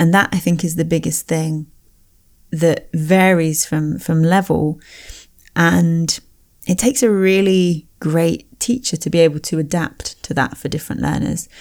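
A woman with an English accent speaks at a fairly slow pace. Her pitch is fairly low, with ordinary pitch variation. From UK. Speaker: language teacher and content creator. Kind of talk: interview conversation.

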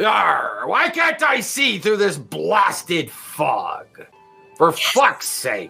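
Over faint background music, a man puts on a high-pitched character voice and speaks at a very slow pace. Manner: barking, irritated.

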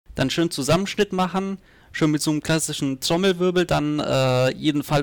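Recorded very clean with a silent background, a man's fairly high voice has ordinary pitch variation and a dry, close sound with no echo. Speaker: podcast co-host. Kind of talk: casual chat.

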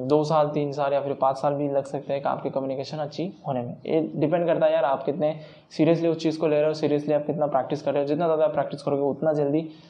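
A man's fairly high voice stays monotone and flat in intonation. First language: Marathi (speaking Hindi). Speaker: podcast host. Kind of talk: motivational talk. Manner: halting, many fillers.

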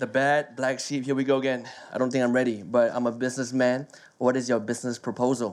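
At a very fast pace, a man talks in an animated tone at a medium pitch. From Malaysia, raised abroad in diplomatic postings. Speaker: musician and tech entrepreneur. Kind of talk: motivational talk. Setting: stage with audience.

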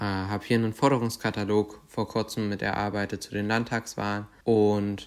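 Man at a fairly low pitch, monotone and flat in intonation, moderate in pace, in a very clean recording with a silent background. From Halle an der Saale, eastern Germany. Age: 20s. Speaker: climate activist. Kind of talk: casual interview.

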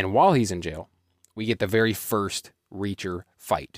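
In a very clean recording with a silent background and a dry, close sound with no echo, a man talks at a fairly slow pace in a fairly low pitch. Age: 30s. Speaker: book reviewer, YouTuber. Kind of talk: solo book review monologue. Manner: hesitant, many fillers and repetitions.

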